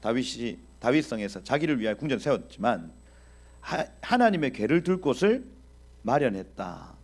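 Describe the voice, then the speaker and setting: A man teaching a Bible exposition in an animated preaching style, speaking directly to his audience and acting out scenes. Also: mid-range voice, normal speed. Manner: animated, acts out quoted dialogue.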